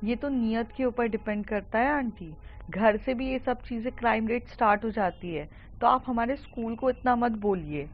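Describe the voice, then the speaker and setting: A woman's voice: fairly high pitch, moderate pace, highs cut off, a little hiss or hum, lightly acted. A woman voicing an argumentative schoolgirl who pleads her case. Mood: pleading.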